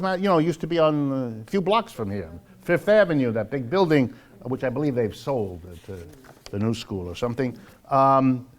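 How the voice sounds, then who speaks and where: Animated, higher-pitched American man lecturing. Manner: sarcastic, emphatic, drawing out key words for effect. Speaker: speaker giving a public economics lecture. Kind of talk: live lecture with read-out quotes and commentary.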